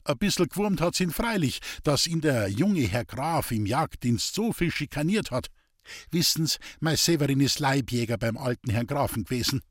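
A man's voice: medium pitch, expressive, normal speed, no room sound, studio quality, lightly acted. A man voicing a weary, bitter old village woman speaking in Bavarian dialect in a storybook reading. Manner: plaintive, bitter, resigned.

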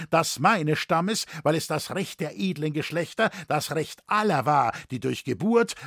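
A man's voice: on the high side, breathy edge, dry recording, clean studio sound, full character voice. A man reading an audiobook, voicing an older, proud and scornful nobleman with harsh outbursts. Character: old nobleman, grim proud furious chamberlain.

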